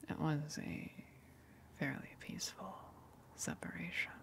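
A woman voicing a lonely, gentle tentacled sea monster in a breathy whispered ASMR roleplay, hesitant and earnest as she speaks. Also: deep voice. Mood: wistful, lonely. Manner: hesitant, confessional, halting, earnest.

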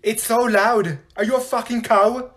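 A man playing a confrontational, hot-tempered high school girl who talks loudly and aggressively in a comedy skit. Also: slow, full character voice. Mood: irritated. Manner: loud, aggressive.

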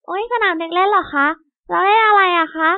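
A woman voicing a playful little girl who speaks in a high, excited, childish way. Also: a little fast. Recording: tinny phone-like sound.

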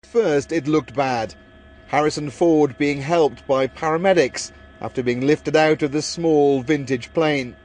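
Male reporter for scripted news voice-over, voice a little on the high side. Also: a little slow, a little mellow.

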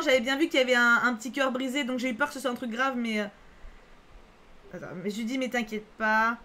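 A woman's voice: on the high side, fairly bright tone. A woman streaming live, chatting casually with viewers, reassuring and repeating herself with lots of fillers. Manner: chatty, reads chat aloud, frequent fillers.

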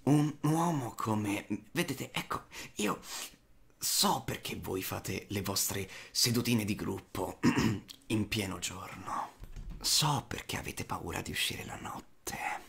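A man voicing an unhinged, mocking clown crime villain for a film dub, halting and theatrical, dropping into whispers. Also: on the low side, gravelly, fairly bright tone, full character voice. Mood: taunting, menacing. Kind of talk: amateur film dubbing in Italian.

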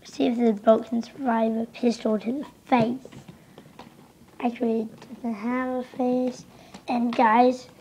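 Slow, flat-voiced young woman with a sick voice. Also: a little high, a little hiss or hum. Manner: rambling, offhand, easily distracted. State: losing voice, sick. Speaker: gameplay commentator. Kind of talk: casual game commentary. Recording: slightly dull lo-fi home recording.

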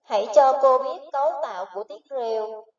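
A woman teacher giving a slow, patient phonics lesson to young children, spelling out sounds one syllable at a time. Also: sits high. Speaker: primary school teacher. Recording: echoey, distant, dull recording.

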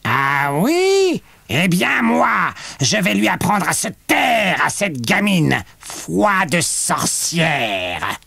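A man voicing a cranky, vengeful old witch with a grating, creaky voice in a children's audiobook. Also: wildly swooping pitch, pushed and bright, no echo, full character voice. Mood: furious threats. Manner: slow, shrill and threatening.

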